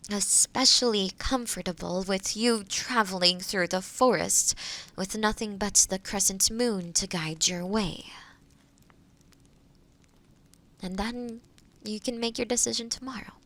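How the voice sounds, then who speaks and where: Slow, creaky-voiced gentle forest witch played by a woman. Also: mid-range voice. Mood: gently insistent. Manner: formal, old-fashioned wording, thoughtful and hesitant. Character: kind, gentle, solitary forest witch, courteous and curious. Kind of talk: scripted fantasy audio roleplay, spoken to the listener.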